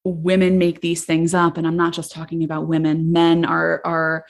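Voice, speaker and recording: A woman therapist hosting a podcast, talking casually and passionately, with a voice that carries loudly. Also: deep voice, completely flat delivery, normal speed, creaky.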